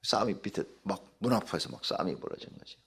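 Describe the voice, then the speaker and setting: Man, middle-aged, pastor, dawn sermon, very lively pitch, gravelly, husky, storytelling with rhetorical questions. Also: fast talker. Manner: animated storytelling preacher, rhetorical questions to the congregation.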